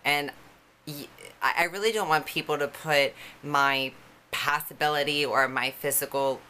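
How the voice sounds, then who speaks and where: A young woman with a low voice telling a personal story to her camera in a candid, conversational way, with many fillers. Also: fairly even intonation, normal speed, pushed and bright. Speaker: vlogger.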